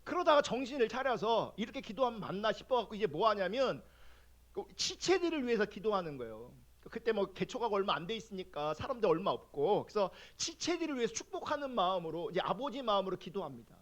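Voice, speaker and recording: A male pastor giving a sermon, telling a personal testimony and acting out his own prayers in an animated way. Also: high voice, quick pace.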